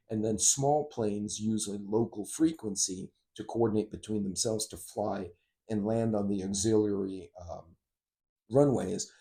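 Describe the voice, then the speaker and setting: A middle-aged man with a lowish, gravelly, warm voice hosts a casual vlog for a preparedness and travel channel. He talks in a rambling, conversational way, with frequent asides and practical advice.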